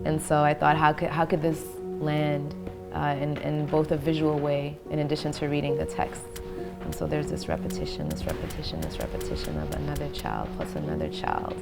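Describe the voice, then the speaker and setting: A woman's voice: deep voice, little pitch movement, fairly quick. A woman who grew up in Belgium, a writer and translator, speaking thoughtfully in a documentary interview. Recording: clear music underneath.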